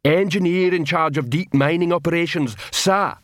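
A hulking, slow-witted troll guard, as a man performs him, shouting every answer at full tilt. The voice is strained high and loud, grammar broken and proud. Close, dry reading. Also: no room sound, close to an everyday voice. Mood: eager, bellowing. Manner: barking, shouted, simple grammar. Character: big dim loud male troll guard.

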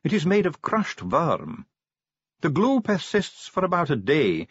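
A man voicing a stiff, formal male dwarf official who speaks in measured, clipped sentences. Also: on the high side, huge pitch swings, fairly bright tone, breathy edge, no room sound, highs cut off, pitched above the performer's own voice, exaggerated voice.

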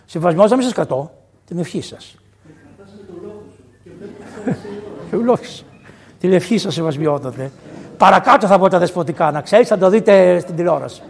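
Animated Greek priest telling a sermon story. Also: male voice, high voice, gravelly, pauses often. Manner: animated, acts out dialogue with sudden loud outbursts. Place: diocesan amphitheater.

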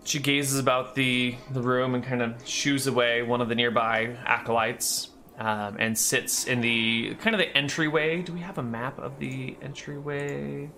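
A man narrating a tabletop game as game master, relaxed and descriptive with frequent fillers. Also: medium pitch, a little slow, few pauses, a little hiss or hum.

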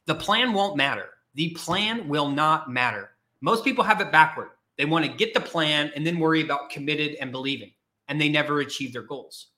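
A man's voice: on the high side, bright, forceful tone. A man speaking as a career coach in a blunt, emphatic motivational talk, repeating his points.

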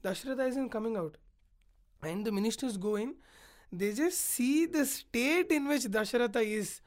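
A woman retells an ancient epic on a podcast, animated and emotional. Her voice sits fairly high for a woman. She talks casually and loosely, with many "like" fillers. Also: unhurried. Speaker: podcast storyteller. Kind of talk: casual storytelling chat.

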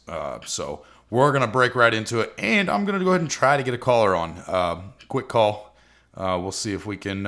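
A man who races cars, hosting his own podcast in loose, rambling casual talk, his voice scratchy and rough today. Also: low voice, pushed and bright. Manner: loose, rambling, frequent fillers. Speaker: podcast host and drag racer.

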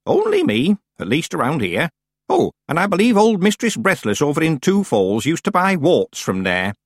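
Man voicing a theatrical old witch, swooping and high. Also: huge pitch swings, moderate pace, no room sound, studio quality. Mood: stout, chatty. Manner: crisp, dramatic, old-fashioned genteel phrasing. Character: old woman witch, sly, proud, theatrical, kindly stern. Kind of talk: audiobook character voice.

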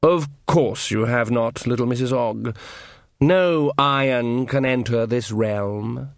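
A man performs a huge horned god in an audiobook fantasy tale. The voice is smooth and rich, unhurried to the point of drawling. He is haughty and weary, looking down on everyone he addresses. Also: medium pitch, no echo, clean studio sound. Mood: languid disdain. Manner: slow, drawling, condescending.

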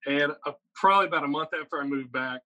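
Guest, male, 30s, from Virginia, slightly higher voice, energetic and rambling. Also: quick pace, low-quality recording. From Virginia, USA. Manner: energetic, rambling, lots of "like" and "right?". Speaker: guest, metal guitarist. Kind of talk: casual interview chat.

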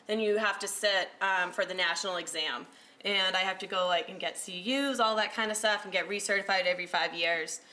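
A woman in her thirties giving a casual talk as a recreational therapist, loud-voiced and chatty with lots of fillers. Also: mid-range voice, brisk. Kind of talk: casual talk to a small audience. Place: room with a presentation screen.

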